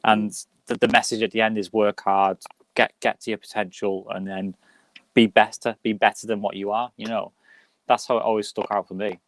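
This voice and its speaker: A man's voice: lowish voice, flat delivery, moderate pace, no room sound. A man hosting a casual live-stream film chat over a video call, full of playful banter. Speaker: host.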